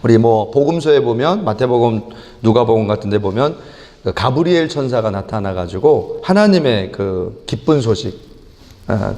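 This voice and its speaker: Animated preaching man in a reverberant church. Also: fairly low pitch. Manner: animated, acts out prayers and God's rebukes in lively voices. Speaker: pastor. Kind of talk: sermon. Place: church sanctuary. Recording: long church hall reverb.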